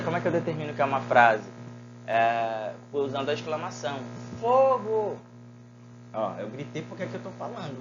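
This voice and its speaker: A man's voice: a little high, dull audio. A man teaching a Portuguese lesson, asking his students rhetorical questions and using many fillers. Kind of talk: recorded online lesson.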